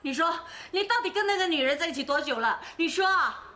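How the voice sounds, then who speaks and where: A shrill jealous wife. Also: female voice, lively intonation, fast, exaggerated voice. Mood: sobbing rage. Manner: shrill, accusing, sobbing while shouting. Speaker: wife accusing her husband. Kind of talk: TV drama acting.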